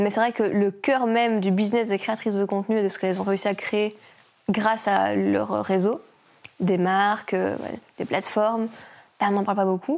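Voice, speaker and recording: At a moderate pace, a woman with a medium-pitched voice speaks, leaving long, frequent pauses. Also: fairly even intonation. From Belgium, Italian immigrant family. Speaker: YouTuber and content creator. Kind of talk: casual interview.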